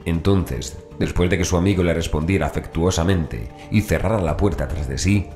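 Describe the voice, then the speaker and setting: A man's voice: low voice, normal speed, darkish tone. A man reading a scripted horror story as an audiobook narrator. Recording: roomy echo with faint music. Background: background music.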